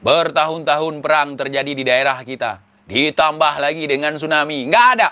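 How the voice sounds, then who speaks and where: A man talks in a high, bright voice full of sarcasm. He teases and mocks as he comments. His tone stays sharp throughout. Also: steady tone, normal speed, smooth. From Aceh. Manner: mocking, teasing, laughs at his targets. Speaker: online commentator.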